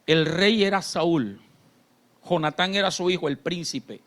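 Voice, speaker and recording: Impassioned coastal pastor preaching. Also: male voice, on the high side, unhurried. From Colombia. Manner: impassioned preaching that swings from shouting to quiet, confiding talk. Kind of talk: sermon. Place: church sanctuary.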